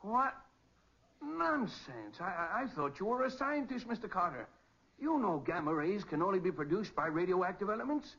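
Excitable, dismissive male scientist, high and swooping, 1940s radio style, muffled recording. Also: moderate pace, slightly rough, heavily acted. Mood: scornful, indignant. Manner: sputtering, scornful. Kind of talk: 1940s radio crime drama acting.

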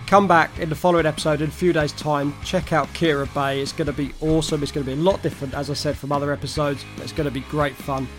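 A man hosting a podcast, his voice slightly croaky, talking in a chatty, upbeat way. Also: a little high, fairly even intonation, fast, hardly any pauses, faint music behind. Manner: chatty, upbeat, friendly promotional. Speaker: podcast host. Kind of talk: casual solo wrap-up talk.

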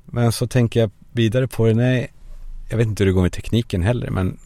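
Young male podcast host, gravelly and dark-toned, dry close sound from a parked car, self-mocking rambling monologue. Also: on the low side, no room sound. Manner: self-mocking, swearing, acts out voices in quotes.

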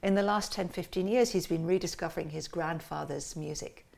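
Woman, lowish voice, animated storytelling guest. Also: brisk, vocal fry. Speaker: interview guest, musician and cartoonist. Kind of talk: casual conversational interview.

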